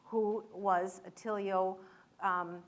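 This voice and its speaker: A woman's voice: medium pitch, steady tone, takes it slowly. A woman from Michigan, an author, telling a family story in a conversational public talk with a few restarts. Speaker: author speaking at an event.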